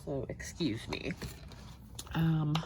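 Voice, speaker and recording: A woman's voice: low-pitched, drawn-out words, noisy background. A young woman chatting through her monthly budget check-in, rambling with lots of ums, sounding stuffy and sniffly. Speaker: budget planner vlogger.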